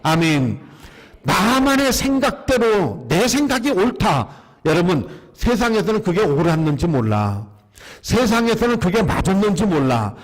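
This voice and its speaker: High-voiced preaching pastor, echoing hall. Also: male voice, sing-song, unhurried. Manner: call-and-response preaching, repeating lines for the congregation. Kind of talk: sermon. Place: church sanctuary.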